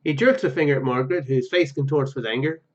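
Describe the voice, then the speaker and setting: A man's voice: mid-range voice, fast talker, lo-fi sound, slight background noise. A man hosting a gaming video, reading game text aloud and commenting as he plays.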